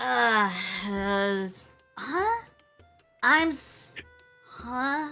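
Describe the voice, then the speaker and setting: A high-pitched, put-on character voice comes through over faint music in the background. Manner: slurred, confused stammering.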